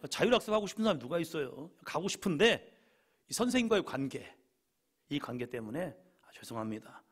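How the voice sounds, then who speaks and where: A male pastor preaching a Friday evening sermon, telling stories and acting out quoted lines, sometimes shouting and sometimes dropping to a quiet aside. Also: a little high, sing-song, a little fast, breathy edge.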